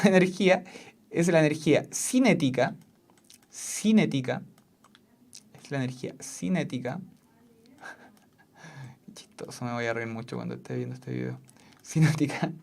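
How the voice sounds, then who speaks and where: A substitute physics teacher gives a classroom lesson at a whiteboard. The teacher repeats each key point several times, keeps checking in with the class, and laughs easily. The voice sits at a middle pitch.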